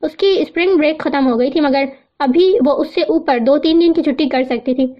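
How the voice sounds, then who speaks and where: High-pitched lady reading a novel out loud, steady, kinda muffled lo-fi sound. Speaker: audiobook narrator. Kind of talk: novel read aloud. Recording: muffled lo-fi recording.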